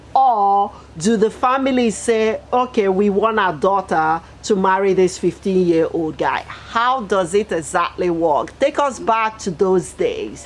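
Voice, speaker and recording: Amid noticeable background noise, a woman speaks at a fairly slow pace with very even loudness and ordinary pitch variation. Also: medium pitch for a woman. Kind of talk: casual interview host.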